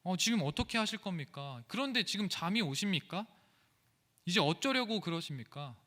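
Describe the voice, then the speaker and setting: A man's voice: high-pitched, expressive, normal speed, sharp tone. A man preaching plays frightened male disciples protesting in a storm, in an echoey church hall. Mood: indignant. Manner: indignant protesting.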